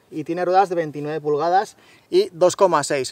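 Here a man with a high pitch speaks at a fairly slow pace. The sound is dry, with no echo. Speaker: bikepacker reviewing his bike. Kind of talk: casual vlog chat. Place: open country.

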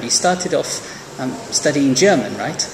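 A man talks over noticeable background noise. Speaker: interviewer. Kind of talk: interview. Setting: conference. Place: hall. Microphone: handheld.

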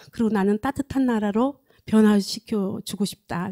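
Over a quiet background, a woman with a dark, mellow tone speaks at a fairly slow pace with ordinary pitch variation. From South Korea. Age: 60s. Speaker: former government official and pro-life activist. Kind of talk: testimony-style lecture at a prayer meeting; testimony talk at prayer meeting. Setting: prayer meeting with audience and online viewers. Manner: halting. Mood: earnest, calm. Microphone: handheld.

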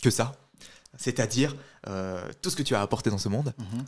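Fairly quick male speech over a quiet background. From France. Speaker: life coach, school founder; life coach. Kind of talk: interview. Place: home room. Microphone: studio mic.

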